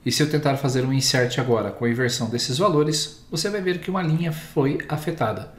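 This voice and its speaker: A man with a Brazilian Portuguese accent, giving a screen-recorded software lesson and explaining each step in a steady, patient way. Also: medium pitch, fairly quick, echoey room. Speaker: instructor.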